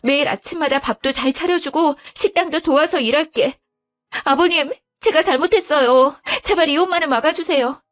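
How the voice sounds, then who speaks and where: A woman voicing a deceitful young wife who begs and stammers in a high, whiny voice in a dramatized story. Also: moderate pace, close to an everyday voice. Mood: tearful pleading. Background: faint background music.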